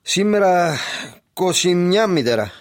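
An actor with a Cypriot Greek accent playing a worried, patient grown son who is soft with his mother. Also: high voice, lively intonation. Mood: weary.

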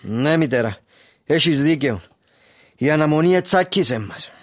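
An actor with a Cypriot Greek accent playing a worried, patient grown son who is soft with his mother. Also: on the high side, expressive. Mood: weary.

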